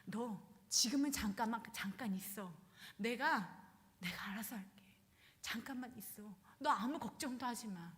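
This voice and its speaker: A woman voicing a protective older brother, a prince, who questions urgently and reassures in a low hush, in a reverberant church hall. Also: expressive, moderate pace.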